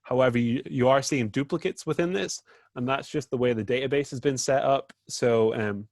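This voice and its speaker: A man's voice: mid-range voice, normal speed, a little mellow, dry recording, clean studio sound. British man presenting over a video call. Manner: informal, with frequent fillers. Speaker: data dashboard presenter. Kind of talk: screen-share presentation in a video meeting.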